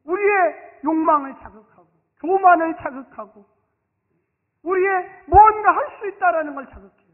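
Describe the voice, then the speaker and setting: High-voiced male pastor preaching. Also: moderate pace. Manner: emphatic, calls for repeat-after-me responses. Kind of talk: sermon. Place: church sanctuary. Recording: tinny lo-fi sound in echoey church.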